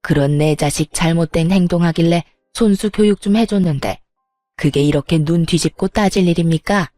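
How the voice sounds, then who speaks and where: A woman's voice: lowish voice, normal speed, mellow, no room sound, faint music behind, close to an everyday voice. A woman voicing a scolding, sneering mother-in-law. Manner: harsh, scolding, sarcastic.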